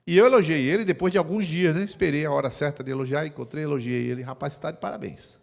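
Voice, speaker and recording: A man preaching a sermon as pastor, swinging between hushed, intimate passages and loud, impassioned ones. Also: a little high, fast talker, gravelly. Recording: long hall reverb.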